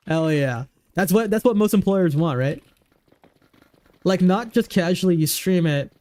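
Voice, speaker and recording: A young man in his twenties talks to his stream in an easygoing, rambling way, tripping over restarts and fillers. His voice sits a little high, with a warm, mellow tone and a goofy edge. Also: expressive, slow pace. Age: 20s. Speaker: livestreamer. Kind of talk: casual livestream chat.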